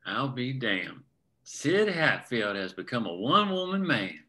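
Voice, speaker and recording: A man's voice: mid-range voice, sing-song, a little slow, pushed and bright. A man reading the part of a blunt, stern man with a dry delivery during a screenplay table read.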